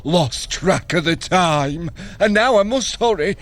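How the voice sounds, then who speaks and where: A man's voice: high-pitched, animated, slow pace, a bit bright, pitched above the performer's own voice, full character voice. An actor playing a trickster god who puts on the voice of a breezy, chatty female servant in an audio drama. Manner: breezy, chatty, falsely cheerful.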